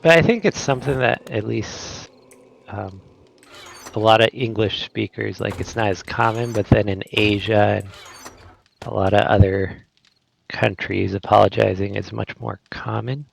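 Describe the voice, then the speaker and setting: A man's voice: on the low side, fairly even intonation, unhurried, vocal fry, slight background noise. A man on a stream chatting in a laid-back, joking, somewhat hesitant way. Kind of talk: casual stream chat.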